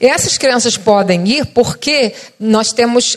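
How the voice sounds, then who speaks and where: Fairly high pitch from a woman, ordinary pitch variation, and noticeable background noise. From Brazil. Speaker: missionary. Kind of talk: church talk / missionary report. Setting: church service.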